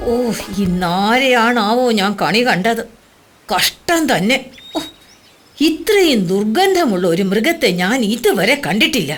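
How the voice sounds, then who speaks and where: A woman's voice: a little high, big pitch swings, takes it slowly, over music. A woman voicing a proud, disdainful tiger with a haughty, grumbling manner in a children's cartoon. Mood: disgusted.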